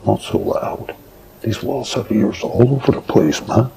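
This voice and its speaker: A man's voice: mid-range voice, animated, unhurried, a crowd in the background. An actor playing a principled, defiant male reporter in an audio drama, earnest and insistent in his delivery. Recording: clearly noisy background, hobby recording.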